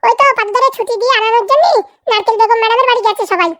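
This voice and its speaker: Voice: extremely high pitch, steady tone, rapid-fire, sharp tone, dry recording, clean studio sound. A performer voicing a cheeky, eager young sidekick in a comedy cartoon, chattering in a colloquial way. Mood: casual. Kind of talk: comic cartoon dialogue.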